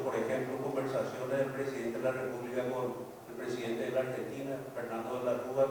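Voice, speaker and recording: An older man with a Paraguayan Spanish accent, giving formal courtroom testimony in a measured way, often restarting his phrases. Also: medium pitch, a little mellow, slight background noise. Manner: measured, recounting events with frequent restarts. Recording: echoey hall, distant mic, faint ambience.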